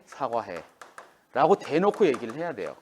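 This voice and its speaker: A man's voice: high-pitched, moderate pace, slight background noise. A man teaching a classroom lesson, speaking informally to students and acting out quoted lines. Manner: lively, acts out quoted lines. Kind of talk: classroom lecture.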